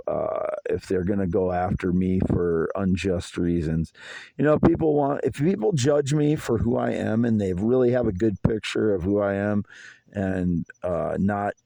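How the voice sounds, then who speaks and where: A man's voice: lowish voice, gravelly, mellow, dry recording, low-quality recording. A man in his fifties delivering a rambling, aggrieved solo monologue outdoors in a yard at night. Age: 50s. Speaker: vlogger.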